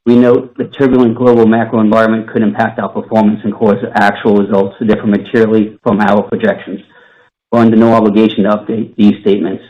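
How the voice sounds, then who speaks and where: Man reading formal legal disclaimers. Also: lowish voice. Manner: steady, formal, scripted reading. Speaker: head of investor relations. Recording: muffled conference-call audio.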